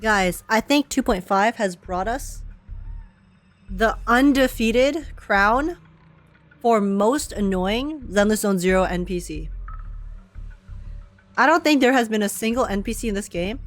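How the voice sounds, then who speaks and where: A woman streamer reacting live to a video game with emphatic, sweary, informal commentary. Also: mid-range voice. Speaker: gaming streamer. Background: game music.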